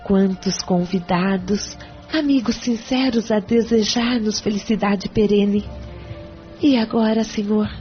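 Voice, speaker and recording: An actress playing a sorrowful young wife who prays and pleads in a chapel. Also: female voice, a little high. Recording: dull lo-fi radio recording.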